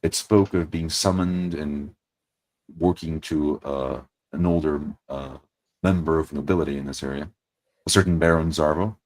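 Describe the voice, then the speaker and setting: A man playing a formal, solemn adventurer with noble manners in a tabletop roleplaying game, speaking deliberately and haltingly. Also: very deep voice, fairly even intonation. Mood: solemn, reporting.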